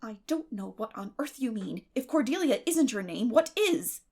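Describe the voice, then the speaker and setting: Stern storybook older woman, played by a female reader: brusque, practical, no-nonsense, with some creak. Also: on the high side, big pitch swings, darkish tone, exaggerated voice. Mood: baffled, dismissive. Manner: brisk, no-nonsense.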